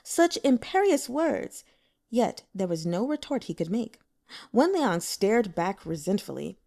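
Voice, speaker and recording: A woman reading scripted fiction aloud as an expressive audiobook narrator. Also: medium pitch, unhurried, gravelly.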